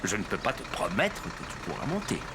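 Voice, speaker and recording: Very animated friendly older bus driver. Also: male voice, fairly low pitch, brisk, noisy background. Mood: friendly, reassuring. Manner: genial, reassuring, expressive. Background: prominent music behind the voice.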